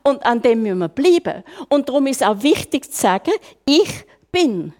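Older Swiss woman preaching, lively. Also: high-pitched, normal speed. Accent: Swiss German. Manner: lively, conversational, with rhetorical questions. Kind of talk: sermon.

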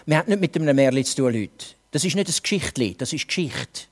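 Preacher, Swiss German accent, earnest sermon delivery, rhetorical questions, middle pitch, animated intonation. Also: fast talker, breathy edge. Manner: earnest, rhetorical questions, direct address to listeners.

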